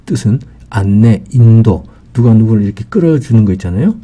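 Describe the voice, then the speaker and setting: A man's voice: on the low side, animated, a little fast, mellow, slightly rough. A man giving an English vocabulary lesson, explaining patiently with many fillers.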